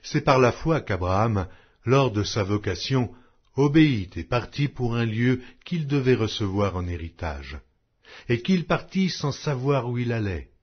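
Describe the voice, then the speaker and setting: A man reading scripture aloud as a formal audiobook narration, in a solemn, measured, declamatory way. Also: mid-range voice, very animated, husky, muffled recording.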